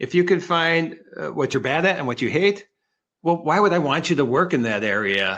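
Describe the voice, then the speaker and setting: This man's voice has a bright, sharp tone and some vocal fry. His intonation is lively and his pace fairly quick. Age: 60s. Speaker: firm leader. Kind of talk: casual chat. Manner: animated; halting.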